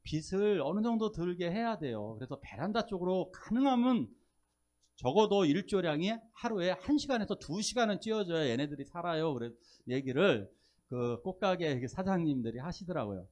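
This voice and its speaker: A pastor with a high voice speaks at normal speed through his Sunday sermon at church, keeping it lively by quizzing the congregation and trading jokes.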